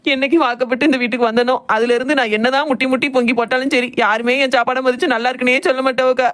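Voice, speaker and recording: Cartoon: emotional young daughter-in-law, voiced by a woman, high and very fast. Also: steady tone, a bit bright. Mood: tearful. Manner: plaintive, tearful complaining. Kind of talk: cartoon voice acting.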